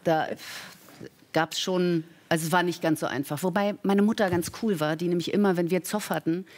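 A man's voice: sits high, steady tone, brisk. A man from eastern Germany chatting as a talk show guest about growing up with his brother. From East Germany.

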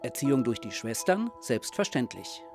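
A man's voice: mid-range voice, very animated, moderate pace, over music. A man narrating a TV feature report in a light, wry scripted style.

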